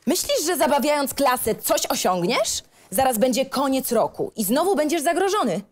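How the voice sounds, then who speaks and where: A woman playing a stern, animated schoolteacher. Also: high-pitched, moderate pace, slight background noise. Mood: scolding. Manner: strict, sarcastic, scolding. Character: stern, exasperated female schoolteacher. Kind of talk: script reading for audio drama.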